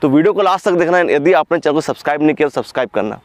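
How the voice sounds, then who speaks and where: A man's voice: a little high, animated, very fast, no room sound. Young man coaching a home workout. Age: young adult. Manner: coaching, counting reps with short commands. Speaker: fitness coach. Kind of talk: workout instruction. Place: open grass field by a lake, outdoors.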